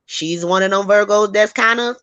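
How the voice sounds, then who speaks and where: Sassy, animated woman hosting a gossip show. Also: medium pitch, moderate pace, smooth, no room sound, dull audio. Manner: animated, sassy, emphatic, laughs often. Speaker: host. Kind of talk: casual gossip chat.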